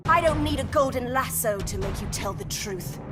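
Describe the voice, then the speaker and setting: A woman voicing a predatory feline female villain with slow purring taunts, with music behind. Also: on the high side, expressive, close to an everyday voice. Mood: taunting. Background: orchestral score.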